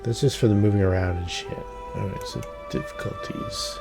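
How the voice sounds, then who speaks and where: A man's voice: sits low, steady tone, normal speed. A man giving casual gameplay commentary, muttering to himself and swearing freely. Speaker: gaming channel host. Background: music behind the voice.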